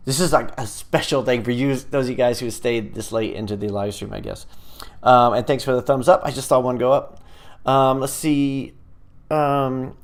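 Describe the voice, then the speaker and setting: A middle-aged man hosting a casual live stream, chatting loosely with many pauses and restarts. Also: fairly low pitch. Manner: rambling and hesitant, many fillers and restarts. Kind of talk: casual live-stream chat, reading viewer comments.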